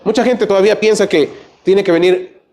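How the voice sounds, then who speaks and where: A man with a Peruvian Spanish accent preaching a church sermon, peppering his points with quick "¿ve?" and "¿no?" asides to the congregation. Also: high-pitched, darkish tone. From Peru. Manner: conversational preaching, frequent "¿ve?" and "¿no?" asides. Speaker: pastor. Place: church sanctuary.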